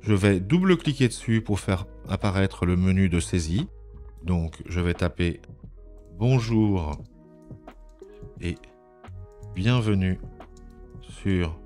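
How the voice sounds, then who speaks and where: A low-pitched man narrates a screencast tutorial. He explains each step methodically in an informal way, often pausing to hesitate. Music plays clearly behind his voice. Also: a little mellow. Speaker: software tutorial presenter. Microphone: voice-over recorded on a microphone at a computer.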